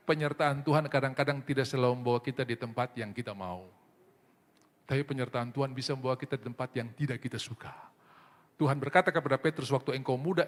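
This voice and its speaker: A man preaching a sermon as pastor, telling funny stories and acting out the voices in them. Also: mid-range voice. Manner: humorous storytelling, mimics voices in anecdotes. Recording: reverberant church hall.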